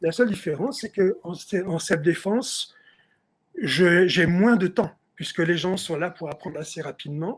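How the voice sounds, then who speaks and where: At a fairly slow pace, a man speaks with a high pitch and ordinary pitch variation. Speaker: martial arts instructor. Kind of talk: panel discussion.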